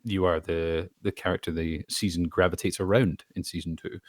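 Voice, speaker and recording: A man's voice: low-pitched, steady tone, normal speed, no room sound, studio quality. A man voice actor chatting casually as he is interviewed. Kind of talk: casual chat.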